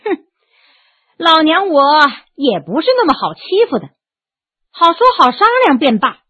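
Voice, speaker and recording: A woman's voice: sits high, very animated, moderate pace, pushed and bright, heavily acted. A woman voicing a shrewd, aging brothel madam in a storybook reading, sighing and worldly, tough under the weariness. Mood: defiant. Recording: tinny narrow phone-like sound, dry.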